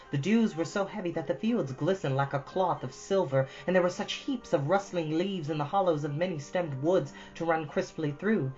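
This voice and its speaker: A woman hosting a storytime, chatting casually and reading expressively in an earnest, encouraging way. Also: a bass voice. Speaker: storytime host and reader. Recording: dull lo-fi audio with music behind.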